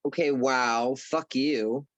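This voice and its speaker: A man's voice: medium pitch, fairly even intonation, slow pace, no room sound, muffled recording, lightly acted. A man playing an evasive, defensive young grad student with a hesitant way of talking in a dramatic table read.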